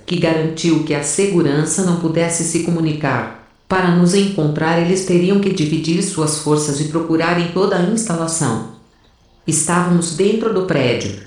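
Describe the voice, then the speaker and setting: In a cavernous echo, a low female voice, a little off the mic, tells an audio drama war story. She is an actress as a wary, resolute soldier, speaking with measured gravity. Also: darkish tone, natural voice. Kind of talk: audio drama narration and dialogue. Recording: very echoey, distant from mic.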